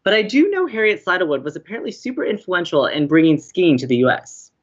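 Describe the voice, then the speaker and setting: A woman's voice: lowish voice, big pitch swings, quick pace, lo-fi sound. A woman playing an upbeat, romantic young college radio co-host in an audio comedy, with an effusive, earnest way of talking. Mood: earnest, informative.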